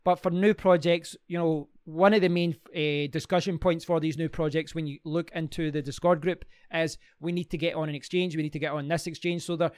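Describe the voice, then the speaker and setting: A man's voice: on the high side, fairly even intonation, a little fast, few pauses, darkish tone, clear, resonant tone, no room sound, studio quality. A man hosting his own channel, talking casually through a screen share, rambling with many fillers and restarts. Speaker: crypto mining channel host.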